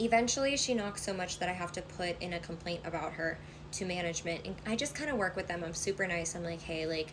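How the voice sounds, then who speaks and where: The pitch varies in an ordinary way. Audible room echo and noticeable background noise run through the clip. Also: woman. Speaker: TikTok storyteller. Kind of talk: storytime vlog. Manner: lowered voice; casual, filler-heavy.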